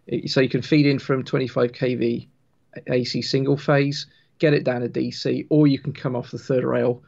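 A man with a gentle West Country accent from Wiltshire, explaining technical things informally as a guest author on a livestream. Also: medium pitch, little pitch movement, moderate pace, creaky, highs cut off. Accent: Wiltshire, English West Country. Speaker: guest author of a railway engineering book.

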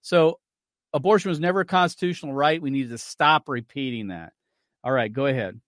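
A man's voice: medium pitch, fairly quick, fairly bright tone, no echo, studio quality. A man hosting a radio talk show, giving opinionated, argumentative commentary and cueing clips to play.

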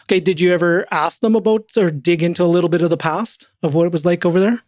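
A middle-aged man hosting a podcast, chatty and quick to laugh, telling stories and asking follow-up questions. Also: high-pitched, a little mellow, no echo, clean studio sound. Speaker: podcast host. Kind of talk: casual conversational interview.

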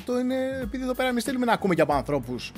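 A man hosting a comic interview, asking quick teasing follow-up questions. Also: extremely high pitch, big pitch swings, soft background music. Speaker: talk show host.

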